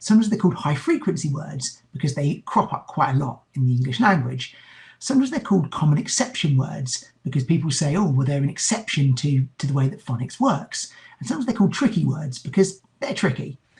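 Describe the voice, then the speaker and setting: A man speaks very fast in a fairly high, somewhat breathy voice with lively intonation. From London. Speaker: education writer and webinar presenter. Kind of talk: educational webinar lecture. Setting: online webinar. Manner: hesitant, with fillers and repetitions.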